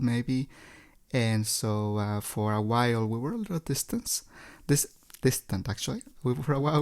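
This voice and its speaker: A man's voice: medium pitch, darkish tone. Mexican-accented man, chatty guest. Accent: Mexican Spanish. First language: Spanish. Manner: polite, chatty, frequent repeats. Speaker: podcast guest. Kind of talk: casual interview.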